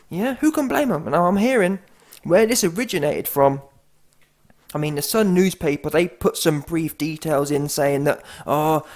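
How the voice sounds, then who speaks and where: A man hosting a comedic reaction video, with animated, mocking and slangy commentary. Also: fairly high pitch. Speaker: YouTube host.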